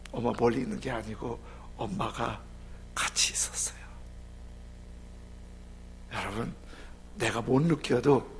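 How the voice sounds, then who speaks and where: Gravelly, lively-voiced male pastor. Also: fairly high pitch, a little hiss or hum. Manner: swings between loud outbursts and hushed whispers. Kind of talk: emotional sermon storytelling.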